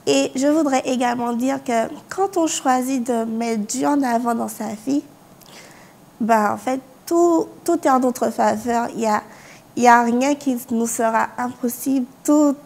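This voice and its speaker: A woman's voice: a little high, a little slow, a little mellow. A young woman from France giving a personal faith testimony as a university student, earnest, with hesitant restarts and small laughs. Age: young adult.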